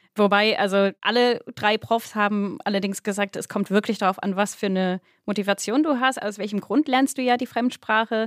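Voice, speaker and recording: A woman talks at a moderate pace with hardly any pauses, a medium pitch, and ordinary pitch variation. The recording is very clean, with a silent background and a dry, close sound with no echo. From England. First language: English (speaking German). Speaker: podcast host, journalist. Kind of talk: casual chat.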